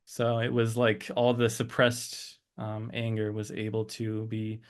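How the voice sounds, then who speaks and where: A man's voice: on the low side, completely flat delivery, measured pace, smooth. A man in his thirties from Switzerland and the United States, reflecting on personal experience as an interview guest, often searching for words.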